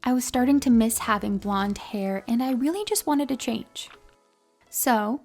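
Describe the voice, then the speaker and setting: A young woman with a New York accent tells her story to camera in a calm, mellow way. Her voice sits a little high and has a gravelly fry running through it. Soft music plays faintly behind her. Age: 20s. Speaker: beauty vlogger.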